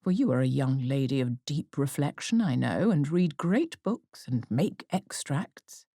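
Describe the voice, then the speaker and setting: A woman voicing a sardonic, reserved middle-aged father in an audiobook, dry, deliberate and mock-courteous. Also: a bass voice, big pitch swings, warm tone, slightly rough, dry recording, exaggerated voice. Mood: mock serious. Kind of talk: audiobook character acting.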